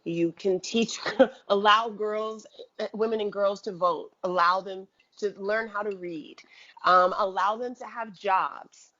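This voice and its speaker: A woman speaking as an interview guest, reflective and deliberate, repeating phrases for emphasis. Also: medium pitch, fairly even intonation, pushed and bright, highs cut off.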